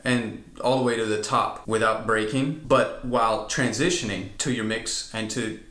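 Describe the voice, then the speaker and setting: A man's voice: on the low side, fairly even intonation, normal speed, a bit bright. A male vocal coach explaining chest, mix and head voice, now and then demonstrating with sung whoops. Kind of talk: singing lesson with vocal demonstrations. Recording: roomy echo.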